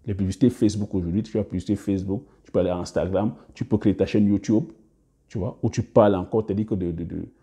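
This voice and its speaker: A man giving business advice to camera in a casual monologue, hesitant, with many fillers and restarts, often trailing off quietly at the ends of phrases. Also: low voice, steady tone, fast. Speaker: business coach YouTuber.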